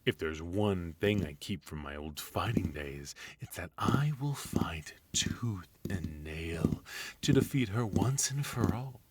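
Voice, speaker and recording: A man's voice: low-pitched, expressive, slow pace, a little hiss or hum. A man playing a retired supervillain husband in a comedic ASMR roleplay, teasing and doting with a theatrical, conversational delivery. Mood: playfully competitive.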